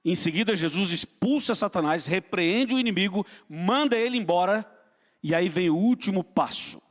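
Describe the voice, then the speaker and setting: A man's voice: sits high, lively intonation, moderate pace, big-room sound. A man preaching a sermon as pastor, fervent and repetitive, asking the congregation for responses in a church.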